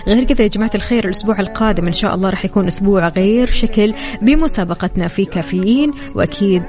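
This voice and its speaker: A woman's voice: mid-range voice, very fast. A woman with a Saudi accent presenting live radio and contests, addressing listeners directly in an upbeat announcer delivery. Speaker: radio host. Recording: music playing behind the voice. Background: music bed.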